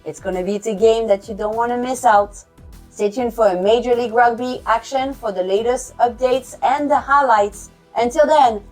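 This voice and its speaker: A woman with a fairly high voice reads a hyped, salesy sports promo. Faint music plays underneath. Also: darkish tone. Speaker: promo announcer. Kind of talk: read promotional voice-over.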